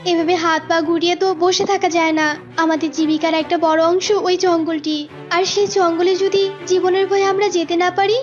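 A woman's voice: very high-pitched, flat delivery, normal speed. A woman voicing a determined, worried forest animal in a cartoon, speaking with insistent urgency. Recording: dull lo-fi audio with music.

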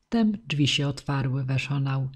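A woman narrating a classic novel as an audiobook, in calm, even storytelling. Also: rumbling low, a little slow, husky.

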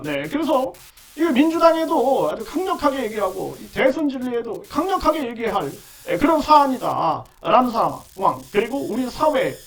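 A man's voice: very high-pitched, distant mic. A man hosting his own channel, delivering an indignant monologue commentary full of repeated fillers. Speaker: online channel host.

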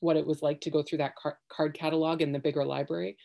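A woman in her thirties sharing her thoughts on a video call from home, halting and searching for words, with many fillers and restarts. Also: low-pitched, level tone, vocal fry, dark tone. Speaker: workshop participant. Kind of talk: hesitant reflective sharing. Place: home living room.

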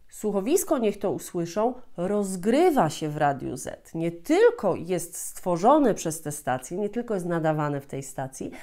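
A woman, giving an expressive explanatory talk and repeating phrases for emphasis. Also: mid-range voice. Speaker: host of a video channel for teachers of Polish. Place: small furnished room at home, indoors.

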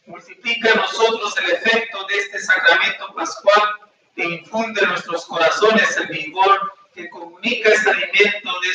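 A man's voice: sits high, pushed and bright. A young man, a priest, leading mass prayers and making informal announcements with many fillers. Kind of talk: celebrating mass and giving announcements. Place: small chapel with altar, indoors. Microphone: far camera. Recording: echoey room from far off, faint noise.

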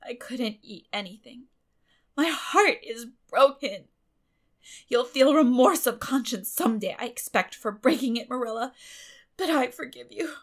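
Theatrical little girl for an audiobook, high breathy voice, super dramatic and wordy. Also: expressive, measured pace. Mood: tearful, wounded. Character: dramatic, imaginative young girl, pleading and theatrical.

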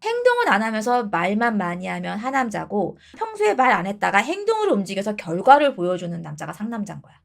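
Blunt animated woman giving dating advice. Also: mid-range voice, fast talker, creaky, few pauses. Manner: blunt, switches between polite and informal speech, acts out quotes. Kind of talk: casual advice talk to viewers.

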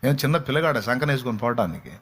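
A man preaching a sermon to a congregation, emphatic, questioning and urging his listeners, swinging between loud cries and low asides. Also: very animated, quick pace.

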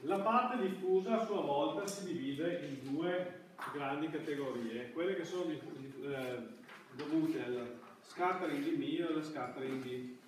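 A middle-aged man gives a classroom lecture in a fairly high voice. He speaks haltingly, restarting phrases as he looks for the word. The sound is very reverberant and picked up from a distance, with faint noise. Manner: halting, searching for words with repeated false starts. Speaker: university lecturer. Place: indoor classroom. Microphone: far camera microphone. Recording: echoey classroom, distant mic, background hiss.

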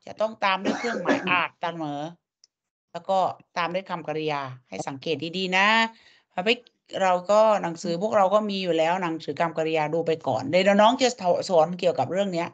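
A woman's voice: on the low side, fairly quick. A woman teaching a language lesson, coaxing students and drilling sounds syllable by syllable. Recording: dull lo-fi audio.

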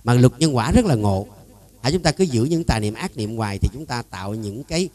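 Emphatic monk preaching. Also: male voice, mid-range voice, lively intonation, brisk. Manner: emphatic, with frequent rhetorical questions; swings widely between loud and soft. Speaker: Buddhist monk teacher. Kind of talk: Buddhist dharma talk.

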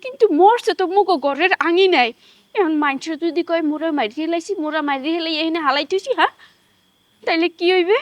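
Comedy-drama casting: a high-pitched, bossy village wife, dry sound. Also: female voice, expressive, fast talker, no echo, lo-fi sound. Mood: scheming. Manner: scolding, bossy. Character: scheming, sharp-tongued village wife.

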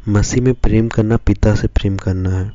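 A man reading Scripture and preaching as a pastor, slow and measured in short phrases. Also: on the low side, steady tone, dark tone, no room sound, dull audio. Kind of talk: devotional Bible reading and sermon.

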